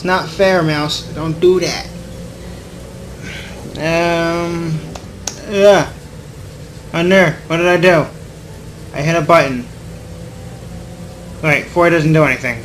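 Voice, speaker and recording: A let's player with a somewhat high, slightly bright voice comments on a game and reads visual novel text aloud, sometimes stumbling over words and reacting playfully. The recording is poor, with a little hiss or hum.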